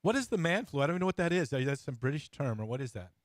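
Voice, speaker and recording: A man hosting a casual interview, informal and bantering, with halting phrasing. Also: on the high side, very animated, no echo, studio quality. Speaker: interview host. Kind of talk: casual, jokey chat.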